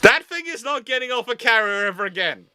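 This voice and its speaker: A man's voice: very high voice, animated, a little fast, pushed and bright, clean tone, no room sound. A man chatting casually in a panel discussion about military history.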